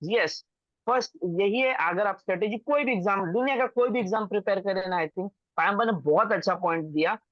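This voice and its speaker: A man's voice: sits high, brisk, no room sound. A young man hosting a casual interview, giving emphatic advice and slipping into English phrases. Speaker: host interviewing an exam topper. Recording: dull lo-fi dry sound.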